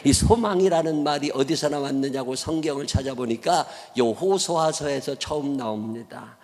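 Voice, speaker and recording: Folksy Chungcheong preacher in a reverberant church. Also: male voice, mid-range voice, moderate pace, darkish tone. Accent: Chungcheong Korean. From Chungcheong, South Korea. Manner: folksy storytelling sermon, blunt and humorous. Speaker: pastor. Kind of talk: sermon. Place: church sanctuary.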